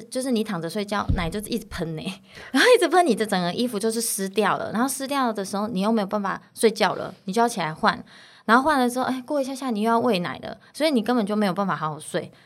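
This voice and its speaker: A woman in her thirties with a Taiwanese Mandarin accent, a mother of three, talking candidly in a casual interview and laughing between phrases. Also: medium pitch. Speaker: podcast guest, mother of three.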